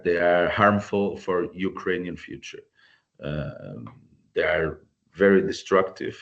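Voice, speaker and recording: A man with a Portuguese accent speaks English in a very deep voice, earnest and searching for words as he restarts and repeats himself. His voice comes through a dull, lo-fi video call, and he is clearly a guest on an online panel. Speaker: guest volunteer.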